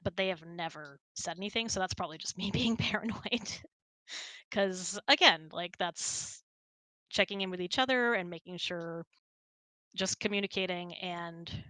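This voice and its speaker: Woman, casual candid hangout host, slightly low voice, close dry sound. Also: pushed and bright, no echo. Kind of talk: casual chat with spouse.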